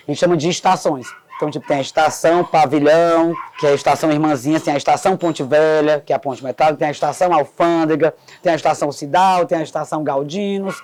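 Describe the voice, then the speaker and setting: A middle-aged man telling stories about his neighborhood in a casual, animated way, often adding "né". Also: fairly high pitch. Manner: animated, fond of "né". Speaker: local resident and geographer guest. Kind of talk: casual storytelling. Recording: faint background noise.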